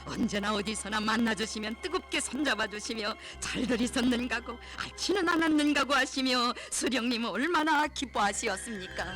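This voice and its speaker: A man's voice: very high voice, normal speed, few pauses, sharp tone. A man with a North Korean accent reading scripted propaganda film narration in a reverent, solemn, emotive declaiming manner. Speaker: documentary narrator. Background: music.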